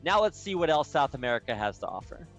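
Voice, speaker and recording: A man's voice: fairly high pitch, big pitch swings, fast talker, fairly bright tone, highs cut off, faint music behind. Upbeat male esports caster. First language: English, with Spanish as second language. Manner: chatty, upbeat, casual with many fillers. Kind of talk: live game commentary.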